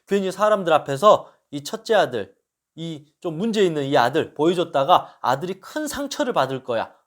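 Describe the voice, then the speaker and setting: A man's voice: a little high, very animated, moderate pace. A man voicing an anxious, controlling middle-aged mother who scolds and insists in a raised voice during a talk. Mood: defensive.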